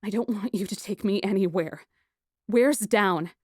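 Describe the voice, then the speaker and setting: A woman voicing a defiant, sarcastic, highly strung female engineer in an audiobook. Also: unhurried, breathy edge, no room sound, clean studio sound. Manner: sarcastic, defiant, flat retorts. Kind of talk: audiobook character acting.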